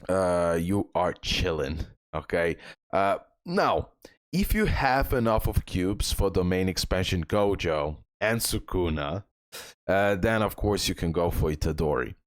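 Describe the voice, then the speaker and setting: A man with a low voice presents a gaming guide in a close, dry recording. He reads ability text aloud and breaks it down informally, speaking straight to his viewers and repeating key points for emphasis. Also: no echo. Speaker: gaming content creator and host. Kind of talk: game guide commentary, reading skill descriptions and giving tips.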